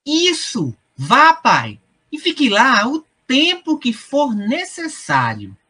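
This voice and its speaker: A woman's voice: high voice, wildly swooping pitch, takes it slowly, sharp tone, breathy edge, full character voice. A Brazilian woman playing a cheeky, evasive teenage son in an audio drama, with exaggerated innocence. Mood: eager, sly.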